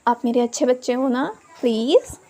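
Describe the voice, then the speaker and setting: A woman voicing a worried young husband who coaxes and reasons gently, in a storybook reading. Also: a little high, normal speed, pitched below the performer's own voice. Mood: coaxing. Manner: coaxing, exasperated.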